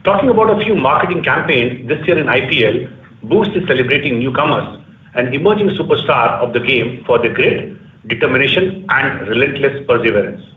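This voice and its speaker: A man's voice: medium pitch, animated, distant mic. Echoey phone-line Indian man presenting results. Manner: formal, measured corporate delivery. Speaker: company finance executive presenting results. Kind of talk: prepared earnings call presentation. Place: conference call.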